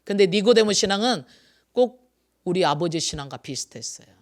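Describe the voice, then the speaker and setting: A pastor in their sixties delivering a Sunday sermon, asking the congregation rhetorical questions and repeating phrases, rising to loud emphasis and then dropping to quiet asides. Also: medium pitch, animated, fairly quick. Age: 60s.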